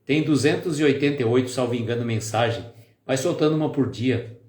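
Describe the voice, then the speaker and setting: A man hosting a spiritist live stream, chatting casually with viewers by name and then slowly leading a calm guided prayer. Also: medium pitch. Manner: slow, soft and calm when leading the prayer. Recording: echoey room with faint music.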